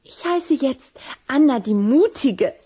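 A woman's voice: high-pitched, lively intonation, takes it slowly, warm tone. A woman playing a bold, affectionate young vampire girl in a children's audio drama, eager and girlish.

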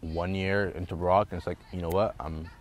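A man's voice: deep voice, fairly even intonation, moderate pace. A young man from Toronto, hosting an informal, bantering interview outdoors. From Toronto, Canada. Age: young adult. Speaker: student show host, interviewer. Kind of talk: casual interview chat. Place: outdoor sports field.

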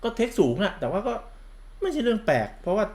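A man's voice: sits high, very animated, fast talker, a little mellow. A campy man gives a sarcastic, crude-mouthed football commentary rant, calling himself big sister. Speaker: football vlogger.

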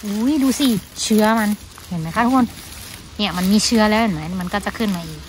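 A young woman with an Isan Thai accent, chatting casually and excitedly to viewers while foraging outdoors, full of exclamations. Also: medium pitch, fast talker. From Isan, Thailand. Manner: exclamatory, excited, mixing in dialect. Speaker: vlogger, forager. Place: outdoors in a leafy forest. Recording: noisy outdoor phone-video sound.

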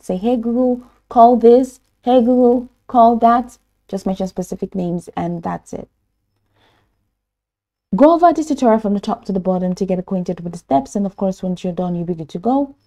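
A woman narrating a step-by-step software tutorial in an instructional manner, hesitant in places. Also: mid-range voice. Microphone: voice-over for screen recording.

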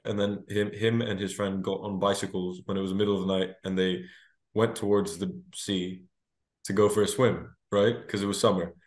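A teenage man from Greece on a video call from a small room, his somewhat low voice carrying a roomy echo. He talks in lively bursts, restarting phrases and breaking into laughter. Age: teens. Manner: animated, quick, full of restarts and laughter. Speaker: guest singer. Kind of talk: casual video-call interview.

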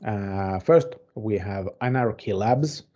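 A middle-aged man presenting news semi-casually, in a halting, measured way. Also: on the low side, dark tone, highs cut off.

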